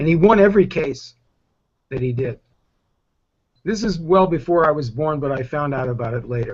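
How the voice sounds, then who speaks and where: Somewhat breathy and fairly high-pitched, a man with an American accent speaks at a moderate pace with lively intonation and long, frequent pauses. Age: 70s. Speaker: historian and political activist. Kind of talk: talk with Q&A at a public meeting.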